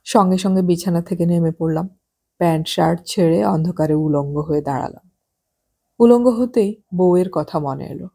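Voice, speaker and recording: Woman narrating a novel, measured and calm, kinda husky and dark. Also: fairly low pitch. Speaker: audiobook narrator. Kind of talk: scripted audiobook narration.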